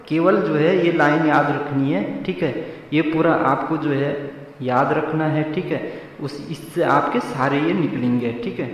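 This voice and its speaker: A man teaching an exam-prep lesson built on memory tricks, repeating each step and checking in with the class again and again. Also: on the high side. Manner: repetitive, drilling, says "theek hai" constantly. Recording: very echoey room, mic far off.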